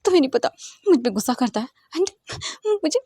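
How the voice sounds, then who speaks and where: A pregnant young man full of drama, whining about his husband and teasing his friend, voiced by a woman narrator. The voice sits fairly high and lands dry and close. It is a storybook reading, not a full cast. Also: very animated, mellow, husky, no echo, exaggerated voice. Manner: whiny, teasing, quick to tears.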